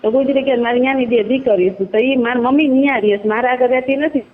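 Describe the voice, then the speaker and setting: A woman's voice: high-pitched, quick pace, soft background music. A woman with a Kathiawadi Gujarati accent giving an informal personal account on a phone call, in colloquial rustic phrasing. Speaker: caller telling their own story. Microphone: telephone line. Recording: tinny narrowband phone call recording.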